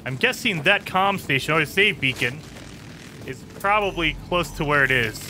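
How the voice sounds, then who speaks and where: A man hosting a gaming channel, chatting casually through gameplay, his voice a bit raspy and hoarse today. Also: on the high side, animated, moderate pace, sharp tone, slight background noise. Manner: chatty, talks to viewers while playing. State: slightly hoarse.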